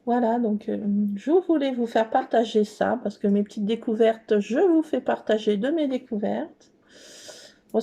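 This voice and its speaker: A woman's voice: fairly high pitch, dark tone, lo-fi sound. A woman hosting a scrapbooking channel, chatting casually and gushing as she works at a craft table and talks to herself along the way. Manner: bubbly, gushing. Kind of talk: casual craft tutorial chat.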